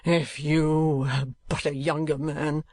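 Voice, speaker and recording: A man voicing an honourable, indignant young gentleman in an audiobook, stern with restrained anger. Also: on the high side, level tone, slow pace, dry recording. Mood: angry. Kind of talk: dramatised audiobook reading.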